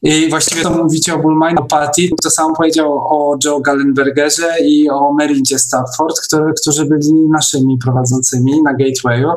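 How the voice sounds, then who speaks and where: A man with a somewhat high-pitched voice hosts an online meeting. He talks casually and informally, feeling his way through his phrases. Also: level tone, moderate pace, hardly any pauses, rough recording. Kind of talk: casual chat.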